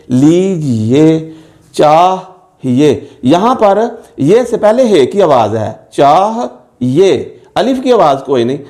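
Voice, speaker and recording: A man teaching an online lesson on spelling rules, speaking slowly and carefully and breaking words into syllables. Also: on the high side, dark tone. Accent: Urdu-speaking.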